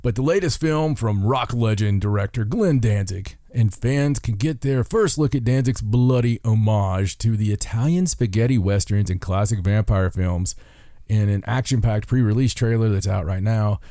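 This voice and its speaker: A podcast host talks in a casual, rambling, joking way, bursting with enthusiasm. His voice is lowish and mellow at a moderate pace, and the sound is clean studio audio with no room sound.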